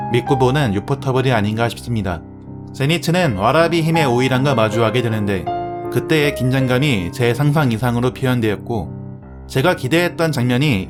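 A man with a mid-pitched voice narrates an anime review from a script. Music plays clearly behind his voice throughout.

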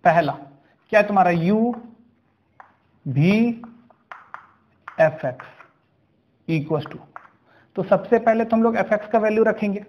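A man's voice: high-pitched, muffled recording, a little hiss or hum. A man teaching a maths lesson, working step by step through problems and often asking whether the class understood. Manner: slow, step-by-step, checks understanding with questions.

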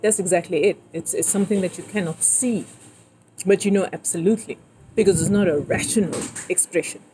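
A woman's voice: lowish voice, a little fast, warm tone. A woman in casual conversation outdoors, listening and responding in an affirming, reflective way. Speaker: friend listening and interviewing. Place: outdoor patio table. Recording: noisy outdoor ambience on open mic.

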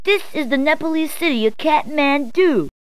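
High-pitched, jokey New policewoman. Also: animated, moderate pace, no room sound. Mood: brash, playful. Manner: playful, punning, emphatic delivery. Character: brash, jokey New York policewoman giving directions. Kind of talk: scripted video game character clips.

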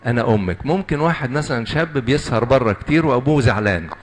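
A man's voice: medium pitch, lively intonation, slight background noise. Egyptian guy giving a sermon, medium voice, keeps asking the crowd stuff and answering it himself. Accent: Egyptian Arabic. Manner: asks the audience questions and answers them; repeats lists slowly and emphatically. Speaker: lay preacher. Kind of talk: sermon to young graduates.

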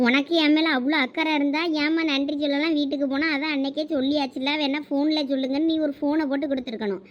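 A woman's voice: sits high, fairly even intonation, fast talker, lo-fi sound, close to an everyday voice. A woman with a Thoothukudi Tamil accent playing a young college girl who nervously scolds her friend. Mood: fretful. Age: young adult. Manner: scolding, worried. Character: anxious college girl scared of her father. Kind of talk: village comedy skit acting.

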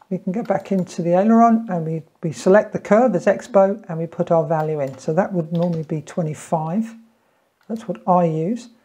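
Husky, mellow middle-aged man. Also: high voice. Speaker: tutorial presenter. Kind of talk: informal step-by-step instructional talk.

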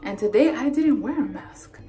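A woman's voice: on the high side, animated, moderate pace, warm tone, slightly rough, soft background music. A woman beauty vlogger chatting casually through a product review, with slang and playful asides.

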